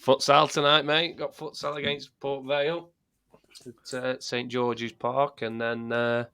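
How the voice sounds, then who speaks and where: A middle-aged English man chats as a co-host on a podcast. His pitch is medium and his talk is blunt, slangy and matey. The delivery is casual banter among friends. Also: completely flat delivery, a little slow, a bit bright, clear, resonant tone.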